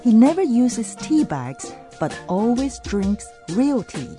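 A woman co-hosting a radio English lesson with a clear, measured, scripted delivery. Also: a little high, big pitch swings, over music. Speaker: co-host of a language lesson.

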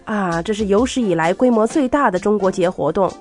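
A woman co-hosting a language lesson, explaining words clearly in a scripted style. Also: mid-range voice, fairly quick, a little mellow, soft background music. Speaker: co-host explaining words in Chinese. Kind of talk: scripted bilingual lesson presenting.

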